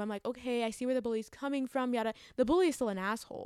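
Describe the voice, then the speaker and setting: Here a woman talks very fast in an animated tone. The sound is dry and close, with no echo. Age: 20s. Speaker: podcast host. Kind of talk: casual chat. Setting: recording in bed at home.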